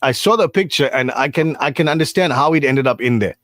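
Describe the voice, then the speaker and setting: A man's voice: medium pitch, brisk, a bit bright, dry recording. A man hosting a breakfast radio show in the studio, teasing and laughing through joking banter. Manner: playful, teasing, laughs often. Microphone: studio microphone.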